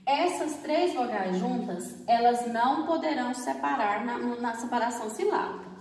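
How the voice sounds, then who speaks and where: Woman, Brazilian Portuguese accent, teacher, high lively voice, careful enunciation, long hall reverb. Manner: slow, drawn-out, over-enunciated explanation with frequent check-ins. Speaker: primary school teacher. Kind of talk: recorded grammar lesson for children. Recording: echoey room, distant from the mic.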